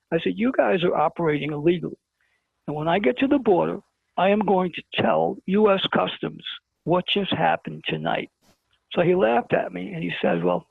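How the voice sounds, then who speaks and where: A man's voice: high-pitched, no echo. A man with a Brooklyn accent, a talk show guest telling a personal story and acting out the dialogue. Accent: New York (Brooklyn). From Brooklyn, New York. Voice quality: gravelly, husky voice. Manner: animated storyteller who acts out dialogue. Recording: tinny phone-line call-in.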